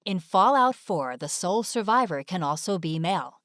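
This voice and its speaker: A woman's voice: lowish voice, animated, normal speed, fairly bright tone. A woman delivering scripted video essay narration in a polished, presentational manner.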